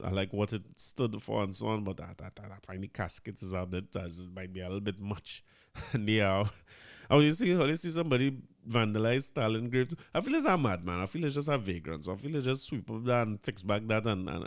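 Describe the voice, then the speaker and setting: A man's voice: fairly low pitch, no room sound, studio quality. A man with a Trinidadian accent hosting a podcast, commenting casually and often repeating his words as he talks. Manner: chatty, animated, repeats words, mixes in Trinidadian Creole. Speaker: podcast host.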